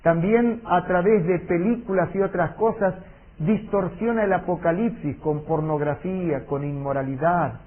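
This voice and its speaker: Emphatic man teaching a Bible seminar. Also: sits high. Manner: earnest, emphatic, slows for solemn warnings. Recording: tinny lo-fi audio recording.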